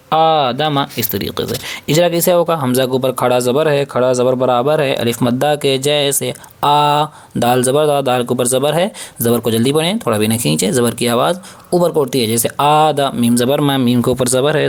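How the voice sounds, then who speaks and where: A man teaching a step-by-step reading lesson, drilling slow, drawn-out syllables and patiently repeating each rule, often asking a question and answering it himself. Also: mid-range voice, vocal fry. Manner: asks and answers his own questions.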